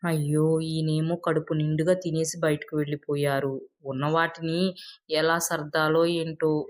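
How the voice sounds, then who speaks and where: A woman's voice: low-pitched, flat delivery, unhurried. A long-suffering wife in a storybook tale, acted by a woman. She is considerate and worried, pleading and apologising as she talks. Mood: worried, apologetic.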